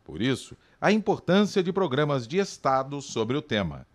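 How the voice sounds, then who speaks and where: A man reading a scripted news report in a measured newsreader delivery. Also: medium pitch, big pitch swings.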